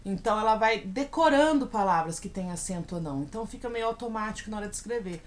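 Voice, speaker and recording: In a recorded video lesson, a woman with a Brazilian Portuguese accent slowly spells out example words, checking in with her students often by asking "tá bom?". Her mid-range voice is expressive, with slight noise in the background.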